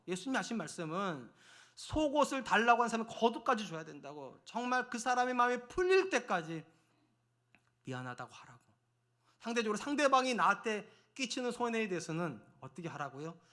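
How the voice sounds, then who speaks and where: A middle-aged male pastor delivers a Sunday sermon with a high, bright voice. He swings his pitch widely as he acts out little quarrels with his wife to make his point. It was recorded in a church sanctuary. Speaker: senior pastor.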